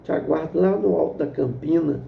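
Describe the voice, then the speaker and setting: A man's voice: a little high, brisk, vocal fry, slight background noise. A man voicing a cruel farm foreman who taunts and mocks, recorded in an echoey room with a dull lo-fi sound. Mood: taunting. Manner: jeering, taunting.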